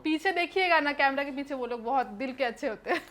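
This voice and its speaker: A woman's voice: high voice, fast talker, a bit bright. A young woman from Kolkata, an actress answering interview questions in a chatty way with hesitant fillers and English phrases mixed in. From Kolkata, West Bengal, India.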